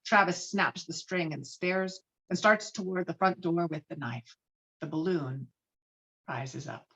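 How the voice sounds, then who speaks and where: A woman's voice: fairly low pitch, a little slow, a bit bright, poor audio. A woman narrating screenplay stage directions with a dramatic, emphatic read on a video call.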